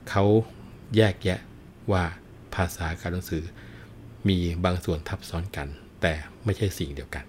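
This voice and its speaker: A middle-aged man with a very low voice explains and retells a classic tale at an unhurried pace. He addresses the listeners directly and politely, and a faint noise sits under the voice. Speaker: storyteller. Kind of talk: explanatory storytelling talk.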